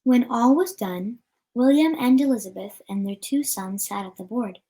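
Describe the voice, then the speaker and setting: A woman reading a storybook aloud in a plain, somewhat halting manner. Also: a little high, warm tone. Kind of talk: read-aloud storybook narration.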